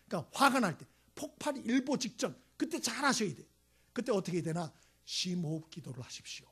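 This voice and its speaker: Husky-voiced male pastor preaching emphatically. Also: high voice, very animated, a little fast. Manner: emphatic preaching, swings between loud exclamations and hushed asides; tells anecdotes acting out voices. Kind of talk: sermon.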